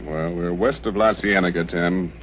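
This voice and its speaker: An American actor playing a calm, businesslike homicide inspector in a 1950s radio drama, clipped, dry and authoritative. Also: male voice, low-pitched, normal speed, a little hiss or hum, close to an everyday voice. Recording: muffled old radio, faint music.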